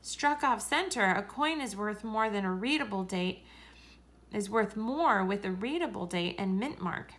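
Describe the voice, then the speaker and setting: A woman reading a children's story aloud in a deliberate, expressive way. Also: medium pitch. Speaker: story reader.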